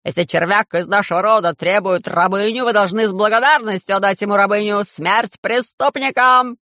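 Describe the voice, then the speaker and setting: A man voicing a tall, skinny, vengeful male noble in an audiobook, shrill and shouting. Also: fairly even intonation, normal speed, no echo, clean studio sound. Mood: furious. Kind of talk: audiobook character voice.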